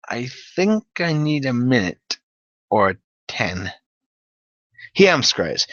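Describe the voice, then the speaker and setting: A man narrates a comic gaming tale as a dramatic reading. His delivery is theatrical and wry, with very lively intonation and a bright, forceful edge. The sound is dry and a little dull. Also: medium pitch, dry recording. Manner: theatrical storytelling with wry emphasis. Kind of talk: dramatic reading of a comic tabletop-game story.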